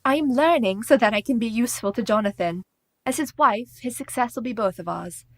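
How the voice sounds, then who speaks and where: A woman plays an earnest, sensible young woman who speaks in a measured, gently wry way. Her voice sits a little high and sounds dry and close. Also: dry recording. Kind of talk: stage radio play acting.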